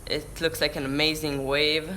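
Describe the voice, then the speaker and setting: The audio is very noisy as this Israeli teenage surfer vlogger, speaking with a Hebrew accent, answers viewer questions he reads aloud on a live stream, often breaking off and restarting words. His fairly high voice is flat and at a normal speed; he's indoors by a window using a camera-mounted shotgun mic.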